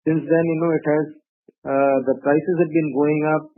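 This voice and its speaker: Male executive, slightly high voice, halting filler-heavy delivery, tinny dry phone recording. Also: level tone, no echo. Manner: measured, frequent fillers like "uh" and "you know". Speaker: company executive presenting results. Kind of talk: earnings call presentation.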